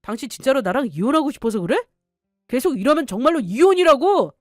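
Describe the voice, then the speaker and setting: A woman's voice: high-pitched, sing-song, fast talker, darkish tone, no echo, studio quality, soft background music, pitched above the performer's own voice. A woman doing a bullying, threatening husband. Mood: defensive. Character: scheming angry husband, middle-aged man.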